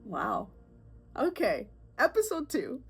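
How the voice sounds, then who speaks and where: A woman with a slightly high voice, big pitch swings, vocal fry and a slightly rough edge takes her time on her solo podcast while faint music plays. Congested and sore-throated, she chats candidly and casually, rambling with fillers and nervous laughs.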